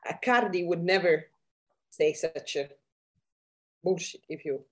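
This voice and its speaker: A woman's voice: lowish voice, measured pace. A woman speaking as a podcast guest in casual discussion, searching for words with many fillers and restarts. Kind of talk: conversational discussion.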